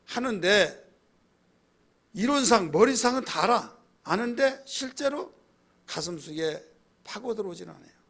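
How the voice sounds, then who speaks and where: A man's voice: high voice, expressive, a little slow, long pauses, fairly bright tone. A male pastor preaching a sermon in a conversational way, asking the congregation questions.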